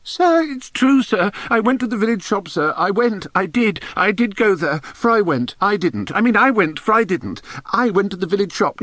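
A man voicing a frantic, tearful little schoolboy with a squeaky voice and English accent in an audiobook. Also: a bit bright, no echo, exaggerated voice.

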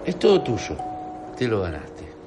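A man playing a gentle, indulgent father in a radio play, soothing and playful, with an Argentine accent. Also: on the low side, wildly swooping pitch, measured pace, music in the background. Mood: concerned, reassuring. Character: gentle, indulgent, reassuring father of a young girl.

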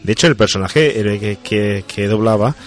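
A man's voice: lowish voice, normal speed. A man hosting a conversational interview. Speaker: interviewer, radio host.

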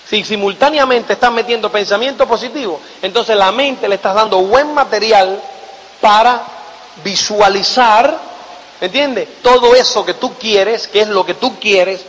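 High-voiced man giving an echoing seminar talk. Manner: keeps checking in with tag questions; emphatic, lively delivery. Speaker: motivational speaker. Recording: long hall reverb.

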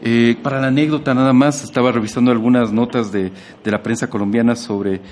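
A man hosting a conversational radio interview, asking in hesitant, halting phrases. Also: mid-range voice, steady tone, darkish tone, slight background noise. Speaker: interviewer, host.

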